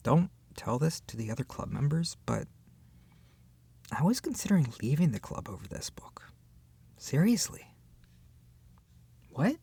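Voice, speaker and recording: A voice actor playing an irritated book club member ranting in a one-sided roleplay, exasperated and sarcastic with dramatic pauses. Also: medium pitch, sing-song, creaky, mellow, husky, full character voice. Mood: indignant.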